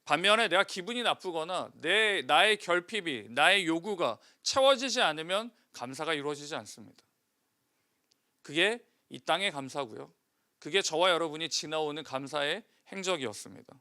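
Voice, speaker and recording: A man's voice: a little high, animated, moderate pace, pushed and bright. A male pastor preaching a sermon, putting questions to the congregation and answering them himself.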